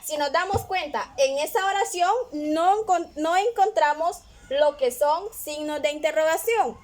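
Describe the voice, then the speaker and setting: A woman teaches a grammar lesson in a patient, measured way. Her voice sits high, and she talks slowly, pausing often to check that her students follow along. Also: a little mellow. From Guatemala. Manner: patient, repeats "¿verdad?" often. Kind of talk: classroom lesson explanation.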